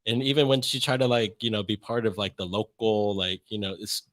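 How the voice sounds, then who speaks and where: A man's voice: fairly low pitch, a little fast, a bit bright, no echo. Rambling young man, dry close sound. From United States. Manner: loose and rambling, many "like" fillers, restarts. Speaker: podcast guest. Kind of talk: casual conversational interview.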